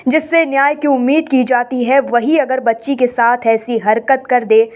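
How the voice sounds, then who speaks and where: A woman news anchor reading a scripted bulletin in a brisk, formal manner. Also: high voice, steady tone.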